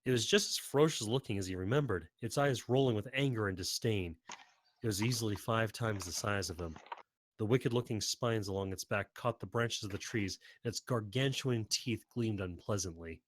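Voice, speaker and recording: A man's voice: fairly low pitch, moderate pace, slight background noise. A man reading scripted, dramatic fantasy story narration.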